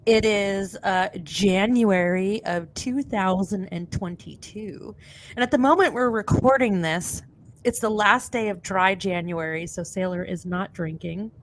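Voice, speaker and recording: A woman's voice: mid-range voice, a little slow. A woman hosting a podcast in casual chat, blunt and sweary, sounding sniffly with a cold. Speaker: podcast host.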